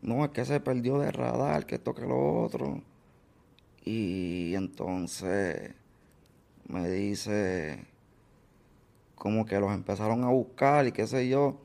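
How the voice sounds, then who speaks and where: A man recalls a painful family loss as an interview guest, halting and full of fillers. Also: fairly low pitch, fairly even intonation, vocal fry, darkish tone. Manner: halting, many fillers and restarts. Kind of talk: emotional personal recollection.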